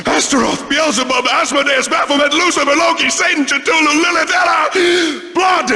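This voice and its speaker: An actor playing a frenzied occult madman in a crime video game, raving in chants that swing between shouts and murmurs. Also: very high-pitched, steady tone, moderate pace, a faint crowd, exaggerated voice. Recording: long hall reverb.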